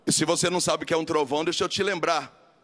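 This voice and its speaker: High-voiced Brazilian man preaching. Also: steady tone, fast talker, fairly bright tone. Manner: emphatic, repetitive call-and-response preaching. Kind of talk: sermon. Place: live camp gathering.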